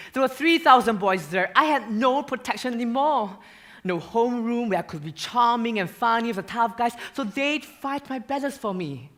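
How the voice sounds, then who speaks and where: A young man acting a stage monologue as a gay male dancer who haltingly confesses his painful past in a theater. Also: high-pitched, fairly bright tone. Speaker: student actor in a stage musical.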